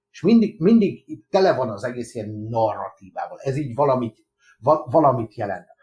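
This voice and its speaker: A man speaks with lively intonation and a somewhat breathy voice. His loudness swings widely. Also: medium pitch for a man, fairly quick pace. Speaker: guest, musician and Liverpool fan. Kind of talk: casual podcast chat. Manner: reflective, hesitant with repetitions.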